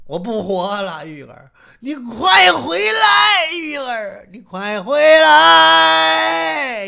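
A scheming young man wails in feigned grief, put on by a traditional storyteller. His cries run high and slow, stretched into long sobbing pleas, and break into shouts. The voice carries a gravelly edge. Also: full character voice.

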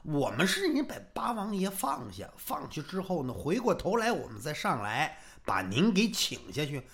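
An exasperated male disciple, voiced by a man telling a tale, speaks in a lowered, grumbling tone. He pleads and reasons with his master in colloquial folk-storytelling fashion. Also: huge pitch swings, moderate pace, gravelly, a bit bright, heavily acted. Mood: placating.

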